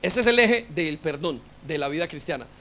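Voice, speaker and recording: A male pastor preaching with passion, his voice pitched high for a man and ringing bright. He presses his listeners with rhetorical questions. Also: lively intonation, moderate pace. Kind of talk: sermon.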